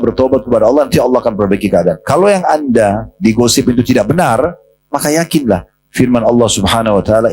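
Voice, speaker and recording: A man's voice: medium pitch, a little mellow, slight background noise, low-quality recording. A man preaching a sermon in a conversational way, speaking directly to his congregation and retelling a story with quoted dialogue, in a mosque.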